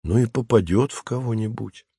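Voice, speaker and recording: A man's voice: lowish voice, normal speed, dark tone, slightly rough, dry recording, studio quality. A man reading the part of a famous, playful starship pilot who is teasing and easily offended, in an audiobook. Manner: whimsical, teasing, lightly offended.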